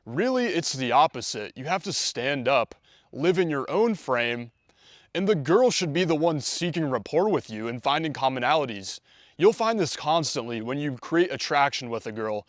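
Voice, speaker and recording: A man's voice: a little high, animated, moderate pace, no room sound, clean studio sound. A man giving dating advice straight to camera in a confident, conversational way. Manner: confident, conversational, acts out quoted dialogue. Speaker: dating coach. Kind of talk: direct-to-camera coaching video.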